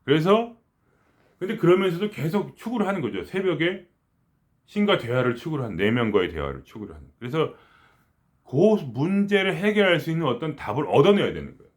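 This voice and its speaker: A middle-aged man giving a casual spiritual talk, rambling and conversational, with frequent restarts and quiet murmured asides. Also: fairly high pitch, very animated, brisk. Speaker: spiritual teacher.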